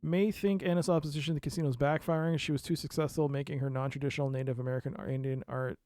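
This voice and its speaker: Male streamer, casual let's play commentary, animated, a touch high-pitched. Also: fast talker, dry recording. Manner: animated, reads notes aloud and laughs at the game.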